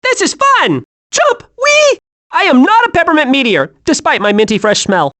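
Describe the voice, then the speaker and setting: An actor voicing a hyperactive, naive, cheerful squirrel in an animated video game, with an excitable, childlike manner. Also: high voice, moderate pace, heavily acted. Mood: gleeful. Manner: excitable, childlike, gleeful exclamations.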